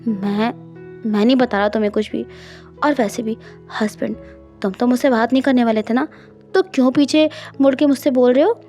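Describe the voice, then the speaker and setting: A woman voicing a shy, tender young man in an audiobook, speaking softly with hesitant restarts. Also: on the high side, fairly even intonation, a little fast, soft background music, natural voice. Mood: teasing. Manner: soft-spoken, hesitant restarts.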